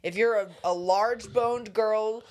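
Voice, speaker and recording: A woman with a deep voice for a woman, co-hosting a podcast in a joking, animated way. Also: takes it slowly. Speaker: podcast co-host. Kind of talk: casual chat.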